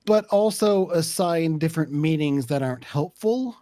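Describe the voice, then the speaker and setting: A man in a casual panel discussion, speaking in a halting, thoughtful and opinionated way. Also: on the high side, expressive, dark tone, no room sound, studio quality. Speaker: podcast panelist.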